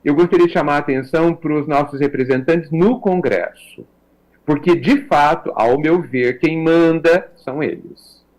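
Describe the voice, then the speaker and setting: A Brazilian man talking as a guest on a radio talk show, reflective and measured, often checking in with a tag question. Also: fairly high pitch, a little mellow, low-quality recording. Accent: Brazilian Portuguese. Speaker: guest commentator.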